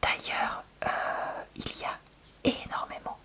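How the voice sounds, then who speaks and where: A woman whispering softly in a library whisper, chatting candidly in a conversational ASMR book-review style. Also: slow pace. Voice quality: soft, breathy unvoiced library whisper. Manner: hushed, conversational, candid opinions.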